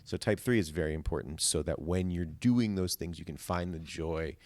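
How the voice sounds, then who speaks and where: A man's voice: low-pitched, normal speed, darkish tone, no echo. A man talking casually as a podcast guest, explaining his ideas in a rambling, emphatic, philosophizing way. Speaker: podcast guest, stage actor.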